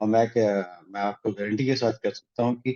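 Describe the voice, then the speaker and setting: The man's voice is fairly low, and he talks at a moderate pace. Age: 60s. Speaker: spiritual devotee and pilgrimage organizer. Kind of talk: testimony. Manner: halting.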